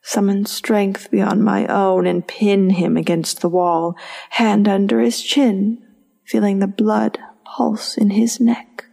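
In a long, ringing reverb, a proud, wrathful sorceress goddess of audio drama. She speaks slowly and imperiously, with theatrical scorn and mockery. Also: medium pitch, steady tone, gravelly, mellow, slightly rough, heavily acted. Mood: torn, intense.

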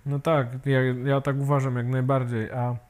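A man's voice: mid-range voice, little pitch movement, a little mellow. A man who is an amputee and peer support volunteer, talking casually in an interview and hesitating often as he searches for words. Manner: halting, many fillers and restarts, ends with tag questions.

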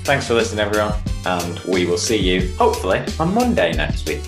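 Deadpan guy with a really low voice on a video call, roomy echo, faint music. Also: brisk. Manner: dry, deadpan humor. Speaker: podcast co-host. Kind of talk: casual sports chat.

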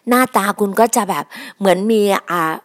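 A woman's voice: mid-range voice, moderate pace. A woman preaching a sermon on her podcast, emphatic and repetitive, often addressing her listeners as brothers and sisters.

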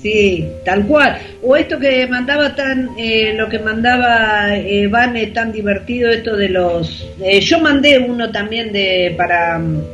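A woman's voice: a little high, measured pace, fairly bright tone, muffled recording, soft background music. A woman with an Argentine Rioplatense accent co-hosting casual radio chat, hesitant, with many fillers. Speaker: radio co-host.

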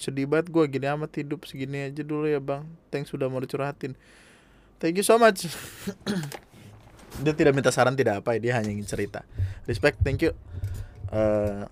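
A man with hosting a casual podcast, reading a listener's email aloud and chatting in an animated, laughing way with plenty of swearing. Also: on the high side, no room sound. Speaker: podcast host.

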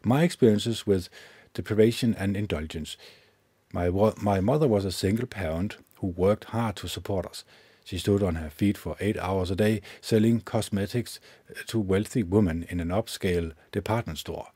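A man hosting his own podcast, reading a self-help book aloud in a measured way, with occasional slips he corrects himself. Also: sits low, mellow, husky, dry recording. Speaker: podcast host. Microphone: own microphone with gain up and low cut filter.

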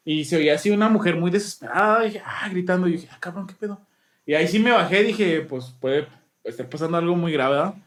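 A man's voice: fairly high pitch, fast talker, roomy sound. A man with a Mexican accent, co-hosting a podcast and telling a rambling story in slangy casual chat, acting out what people said. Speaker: podcast co-host.

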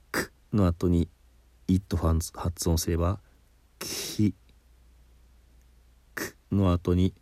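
Low slow guy patiently walking thru pronunciation, dark mellow voice, dry close sound. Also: no room sound. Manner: patient, explains step by step, demonstrates sounds. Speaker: pronunciation teacher. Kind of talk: spoken lesson.

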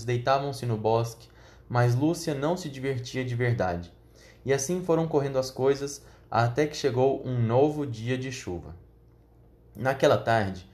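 Man reading a storybook aloud. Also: mid-range voice. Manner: measured, steady storytelling. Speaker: narrator. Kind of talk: audiobook reading.

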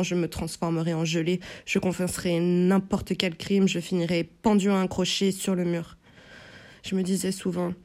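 A woman narrating a novel in first person, in a measured, inward, tense way. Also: lowish voice, warm tone. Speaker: audiobook narrator.

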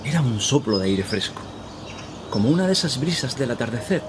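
A man playing a kindly, talkative park worker who speaks courteously and pauses to search for words. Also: mid-range voice, big pitch swings, noisy background, lightly acted. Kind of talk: radio drama acting. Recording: outdoor park ambience with birds. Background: birds and outdoor ambience.

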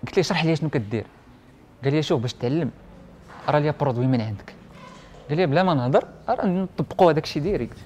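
A man's voice: a little high, lively intonation, very fast, pauses often, a little mellow, a little hiss or hum. A young man with a Moroccan Arabic accent telling his story casually, mixing in French words and quoting dialogue as he goes. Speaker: interview guest; printing and IT technician. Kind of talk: casual personal storytelling in conversation.

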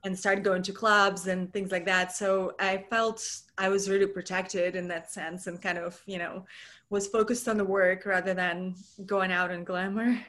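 A woman's voice: mid-range voice, flat delivery, normal speed, a bit bright. A woman in her thirties from Russia, a podcast guest chatting casually over a video call from home, with lots of fillers and frequent laughs. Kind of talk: casual interview chat.

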